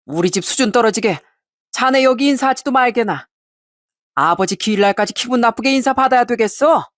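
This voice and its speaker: A woman's voice: fairly high pitch, animated, a little fast, no room sound, voice pushed up, close to an everyday voice. Woman narrator doing an arrogant, sneering older uncle for an audio story, heard close and dry. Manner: sneering, scornful. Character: rude arrogant uncle in his sixties.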